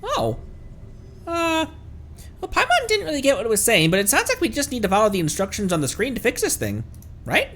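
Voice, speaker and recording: A man voicing a small, excitable, childlike female fairy companion from a game. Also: very high voice, fairly quick, pitched above the performer's own voice, full character voice. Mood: excited.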